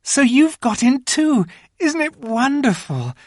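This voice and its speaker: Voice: high-pitched, sing-song, slow pace, dry recording, clean studio sound, voice pushed up, exaggerated voice. A reader doing an eager little girl. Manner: eager, breathless. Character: excited cheerful young girl. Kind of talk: audiobook reading.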